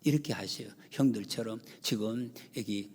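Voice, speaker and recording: A man preaching a sermon as pastor, emphatic, moving between loud exclamations and hushed whispers while he addresses the congregation. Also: lowish voice, moderate pace, slightly rough. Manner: addresses the congregation often as "여러분". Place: church sanctuary. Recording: long church hall reverb.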